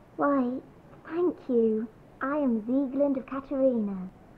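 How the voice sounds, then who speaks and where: A squeaky, fairly high-pitched put-on character voice comes through with clear background noise. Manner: kind, grateful.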